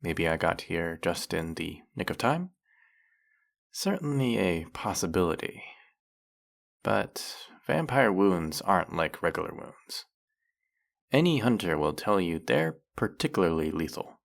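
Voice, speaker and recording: A man playing a centuries-old, brooding vampire hunter in an audio roleplay, questioning with measured, wry menace. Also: sits low, big pitch swings, gravelly, exaggerated voice. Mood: knowing, grim. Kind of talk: dramatic audio roleplay, addressing the listener.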